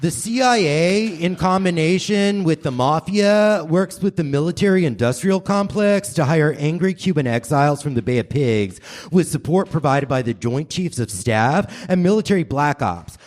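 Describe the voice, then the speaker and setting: A man's voice: fairly high pitch, animated, normal speed, hardly any pauses, a little mellow, natural voice. A man playing an earnest, urgent grown son from the future in a staged radio play parody, declamatory in his explanations. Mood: earnest explaining.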